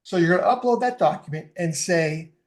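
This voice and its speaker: A man's voice: fairly high pitch, animated, a little fast. A middle-aged man, a guest in a casual podcast interview, explaining tools step by step with enthusiasm. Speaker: fitness technology expert guest.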